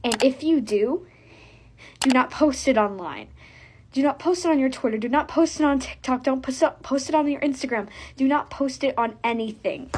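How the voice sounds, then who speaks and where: High-pitched woman making an emphatic plea. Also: moderate pace, a little hiss or hum. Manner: emphatic, repetitive, admonishing. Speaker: fan making an appeal to other fans. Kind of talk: earnest public service plea to camera.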